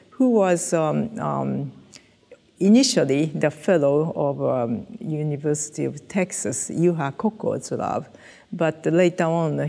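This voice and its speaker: Her low, gravelly voice is mellow and husky, and it sounds as if it fills a large hall. She is an older physiologist with a Japanese accent, answering oral history questions in English as a second language and often hesitating, restarting and using fillers. The recording was made on a headset mic in a studio, on a dark indoor set.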